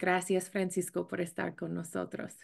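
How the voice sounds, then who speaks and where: Someone speaks with an English accent against a quiet background. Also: woman. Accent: non-native Spanish, English-accented. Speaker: training academy director and moderator. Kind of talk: online workshop moderation. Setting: video call. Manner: halting, many fillers. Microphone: video call.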